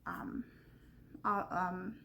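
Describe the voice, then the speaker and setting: A woman with a Californian Valley Girl accent giving a casual, unscripted book review in a thoughtful, halting manner. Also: fairly low pitch, little pitch movement, vocal fry, sharp tone. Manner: thoughtful, halting, trailing phrases with frequent "like".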